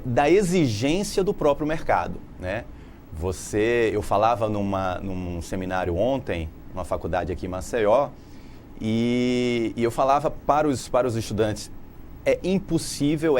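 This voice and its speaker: A man's voice: mid-range voice, animated, unhurried, a little mellow. Brazilian man in his thirties, TV interview guest, articulate, explains at length, faint noise behind. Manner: articulate, explanatory, laughs easily. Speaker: political scientist guest.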